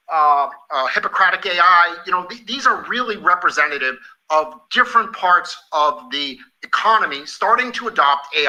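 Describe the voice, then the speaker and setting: Bright, forceful male executive on an earnings call. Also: sits high, low-quality recording. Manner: emphatic, enthusiastic superlatives. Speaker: company executive answering analysts.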